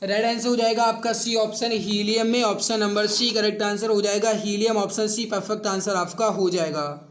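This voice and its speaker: A man's voice: high voice, steady tone, brisk. A man speaking as an online exam-prep teacher, addressing students familiarly with emphatic repetition. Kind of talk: quiz lesson for exam students with promotional pitch.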